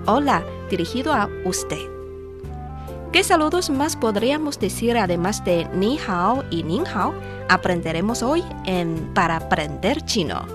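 Slow-spoken woman. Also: mid-range voice, sing-song, music in the background. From China. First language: Chinese. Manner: slow, careful, drilling pronunciation. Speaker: language teacher and co-host. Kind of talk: radio language lesson.

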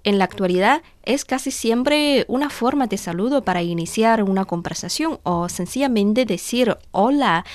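Slow-spoken woman. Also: medium pitch, no echo. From China. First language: Chinese. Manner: slow, careful, drilling pronunciation. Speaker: language teacher and co-host. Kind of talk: radio language lesson.

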